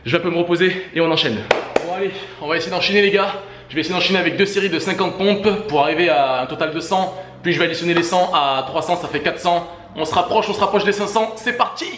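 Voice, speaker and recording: A man's voice: on the high side, fast talker. A man talking casually to his viewers between sets of push-ups, urging them on like friends in a fitness challenge video. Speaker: YouTuber doing a fitness challenge. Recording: echoey room with faint background noise.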